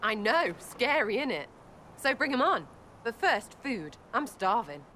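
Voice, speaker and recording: A woman's voice: a little high, sing-song, slow pace, sharp tone, slight background noise, heavily acted. A woman voicing a cheeky, eccentric young elf rogue with a British accent in a fantasy game. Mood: playful. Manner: blunt, slangy. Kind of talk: fantasy video game acting.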